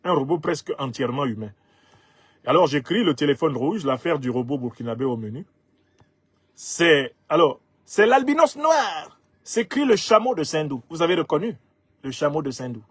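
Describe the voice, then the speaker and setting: A man in his fifties from Cameroon whose first language is Bassa, emphatically commenting on viewers' social media comments. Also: sing-song, moderate pace, husky, no room sound. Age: 50s. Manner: emphatic, rhetorical, laughs at his own jokes.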